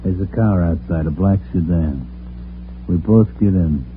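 A man's voice: low voice, measured pace, background noise. An actor playing a tough, sarcastic gangster henchman who talks in curt threats and gangland slang, in an old-time radio crime drama. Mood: cold menace. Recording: tinny, humming old radio recording.

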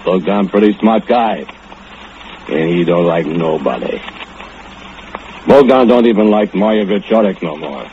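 Menacing foundry laborer, very low voice, broken English, dull vintage radio sound. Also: male voice, animated, a little slow, pauses often, slight background noise. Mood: brooding. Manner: gloating, menacing, with low chuckles. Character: brooding murderous foundry laborer, middle-aged man. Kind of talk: 1940s radio acting. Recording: dull old radio recording with loud music.

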